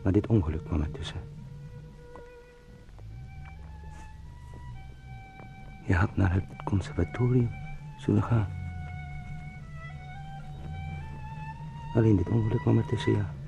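An actor playing a weary, anguished man turned beetle in an intimate radio drama, speaking haltingly and broodingly. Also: lowish voice, creaky, music in the background, low-quality recording. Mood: tender, halting.

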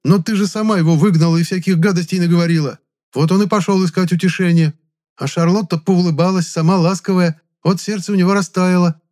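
A man voicing a sharp-tongued young male hero who talks bluntly and scolds. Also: medium pitch, brisk, voice pushed up, close to an everyday voice. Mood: scolding.

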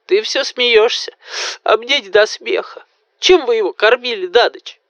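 A man voicing a fussy, panicky elderly grandmother with a shrill, wailing voice. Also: a little slow, a bit bright, no echo, lo-fi sound, heavily acted. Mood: reproachful.

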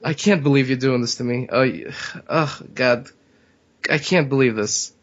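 A man's voice: medium pitch, normal speed, lo-fi sound, natural voice. A young man playing a brash, pushy older Jewish man from New York with a New York accent. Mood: pushy, indignant.

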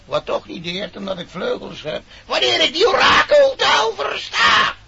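An actor voicing a cheeky, excitable jay in a radio play, blunt and screechy. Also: sits high, moderate pace, gravelly, raised voice, heavily acted. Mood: cheeky, loud. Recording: noisy, dull vintage radio recording.

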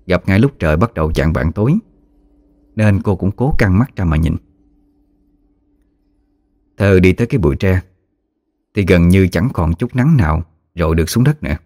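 A man narrating a ghost story in a measured, hushed way. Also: sits low, lively intonation, no echo, studio quality.

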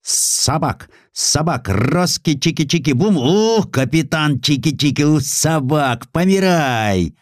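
A male narrator puts on a hostile Chinese sailor for an audiobook. The voice jumps high, jeering and taunting in choppy broken phrases, recorded dry. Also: lively intonation, takes it slowly, hardly any pauses, dry recording. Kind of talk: audiobook character acting.

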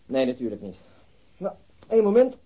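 A man's voice: on the high side, huge pitch swings, fairly quick, warm tone, muffled recording. An actor playing a nonchalant, unhelpful duty policeman in a radio drama, offhand and reluctant.

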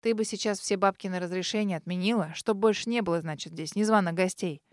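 A woman's voice: on the low side, quick pace, no echo, clean studio sound, voice pushed down, natural voice. A woman voicing an old male house spirit who grumbles and whispers in folksy speech. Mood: grumbling advice.

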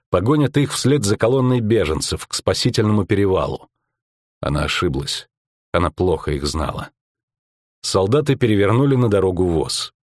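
A man narrates a fantasy audiobook in a measured, dramatic way. His voice sits low, and the recording is dry and close, with no room sound. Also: darkish tone, no echo. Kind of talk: scripted narration.

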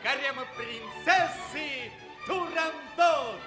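A man's voice: very high voice, slow, loud music behind the voice. A man playing a boastful comic commedia dell'arte buffoon on stage, stretching out his exclaimed words. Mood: exuberant, boastful. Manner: stretched, exclaimed self-introductions. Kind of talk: theatrical stage comedy.

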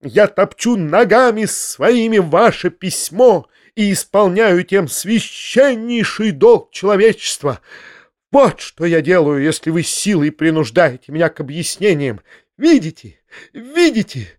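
A man voicing a shrill, sanctimonious hypocrite. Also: sing-song, slow, no echo, clean studio sound, full character voice. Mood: shrieking fury. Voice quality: shrieking, high-pitched. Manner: sanctimonious, preachy, hysterical. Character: shrill, pompous, self-righteous older male hypocrite. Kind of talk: audiobook character reading.

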